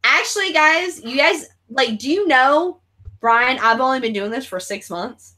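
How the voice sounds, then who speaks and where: Woman host near thirty, crude jokester, bright voice, high and bouncy. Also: lively intonation, measured pace. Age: 30s. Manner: crude, joking, reads chat comments aloud. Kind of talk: casual watch-along chat.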